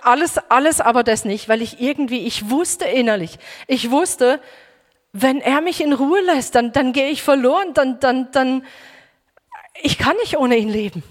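A woman preacher giving a personal testimony sermon, emotional and halting, with frequent restarts. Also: sits high, lively intonation. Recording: echoey hall reverb.

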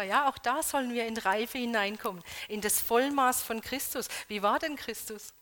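A woman preaching a sermon, earnestly urging her congregation with questions, moving between loud appeals and soft, hushed emphasis. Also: mid-range voice.

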